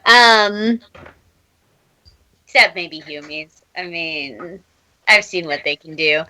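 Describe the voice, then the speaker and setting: A woman playing a tabletop roleplaying game, speaking in a theatrical, halting way and repeating words as she slips between casual talk and character. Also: fairly low pitch, sharp tone.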